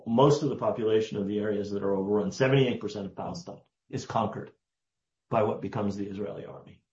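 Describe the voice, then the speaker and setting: Low-voiced older man, emphatic. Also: mellow. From United States. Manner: deliberate, emphatic, lingers on key words. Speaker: guest historian. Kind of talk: interview answer, storytelling. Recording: roomy, dull lo-fi sound.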